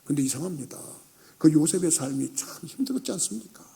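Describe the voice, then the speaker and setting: A middle-aged senior pastor preaches a sermon, recounting a Bible story and acting out the characters' lines while swinging between loud and hushed. His slightly high, creaky voice is sing-song and fast.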